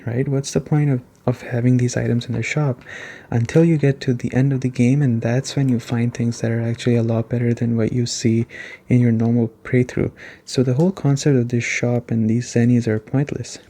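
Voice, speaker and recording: A soft-spoken man with a dark, relaxed tone and a mid-range voice reviews a video game in ASMR style. He talks conversationally, circling back over his points to stress them. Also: mid-range voice, brisk.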